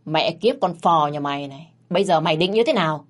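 A woman voicing a fierce, foul-mouthed young woman who shouts coarse curses. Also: low voice, fast. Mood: furious.

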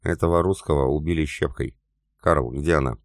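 A man's voice: extremely low pitch, moderate pace, vocal fry, no echo, studio quality. A man reading the lines of a brusque German captain, blunt and dismissive.

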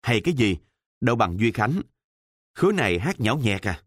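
A man's voice: medium pitch, sing-song, moderate pace, breathy edge, no room sound, clean studio sound. A man voicing a cocky, streetwise teenage boy who teases in a mocking way and talks full of slang, in a storybook reading. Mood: teasing.

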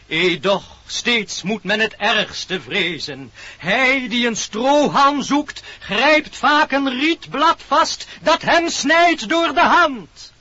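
Casting: sanctimonious snail preacher, very high bright voice, mournful funeral oratory, dull old radio sound. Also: male voice, slow pace, no echo, heavily acted. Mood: solemn, lamenting. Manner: unctuous sermon, flowery and solemn. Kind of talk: theatrical radio play acting.

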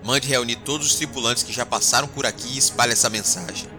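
An actor with a Brazilian accent playing a resolute starship captain who gives orders in an audio drama. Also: male voice, medium pitch, fast talker, music in the background, close to an everyday voice. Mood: grave, resolute.

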